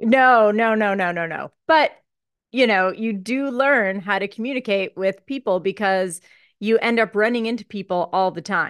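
A woman with an ordinary speaking voice and an American accent, medium pitch, ordinary pitch variation, moderate pace, and a quiet background. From northeastern Pennsylvania, US (near Scranton). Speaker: podcast host. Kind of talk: interview.

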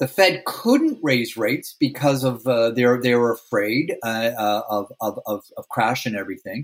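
This man has an unremarkable speaking voice at medium pitch, with ordinary pitch variation and a fairly slow pace. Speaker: market strategist. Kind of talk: interview.

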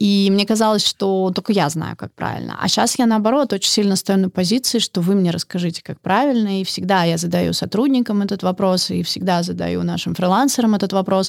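An ordinary speaking voice: a woman at medium pitch with ordinary pitch variation speaks at a fairly quick pace with hardly any pauses, recorded dry and close with no echo. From Moscow region, Golitsyno. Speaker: PR agency founder. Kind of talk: interview conversation.

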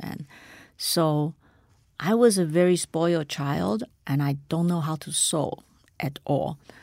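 Pitch moves up and down in an ordinary way. The audio is very clean and the background silent. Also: woman. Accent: Chinese. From Taiwan. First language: Mandarin Chinese. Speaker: pianist and chamber music director. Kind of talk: interview conversation.

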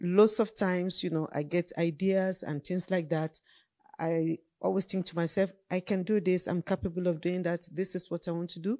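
In an ordinary speaking voice, a woman talks at a moderate pace with fairly low pitch and fairly even intonation, the recording very clean with a silent background and a dry, close sound with no echo. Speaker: audience member asking questions. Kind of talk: audience question. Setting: stage with audience.

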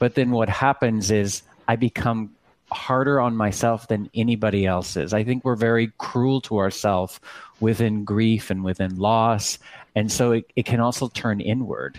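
A man with a normal speaking voice at a medium pitch talks at a moderate pace with very even loudness and fairly even intonation, in a dry, close sound with no echo on a very clean recording with a silent background. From Texas. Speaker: yoga teacher and author. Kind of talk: interview.

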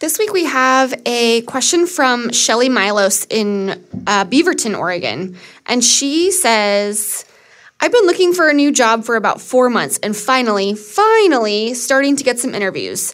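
A woman talks at a moderate pace in a high pitch, her tone animated and her intonation lively. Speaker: career advice expert. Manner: animated, laughs often.

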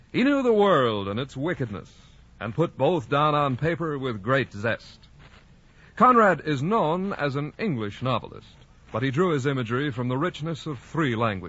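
Fairly high male pitch with very wide pitch swings, at a moderate pace. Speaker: radio announcer. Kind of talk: formal radio announcement, scripted. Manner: formal, polished, crisp mid-century announcer delivery.

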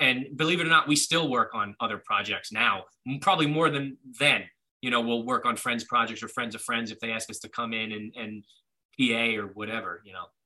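A man with an American accent and an ordinary speaking voice, medium in pitch with ordinary pitch variation and big swings in loudness. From New York City, Staten Island. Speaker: film producer. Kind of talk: interview.

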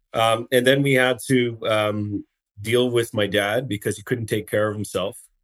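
A man speaks with a Canadian accent at a moderate pace. His medium-pitched voice is monotone and flat. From Ontario, Canada. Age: 50s. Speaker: program member sharing weight-loss story. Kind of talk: interview testimony. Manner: halting, many fillers.

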